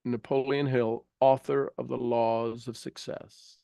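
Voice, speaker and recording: Slow and gravelly, this man's mid-range voice has a dark tone and little pitch movement, captured in a dry recording. He coaches a class informally and bluntly, prodding people with folksy expressions while also reading from a book.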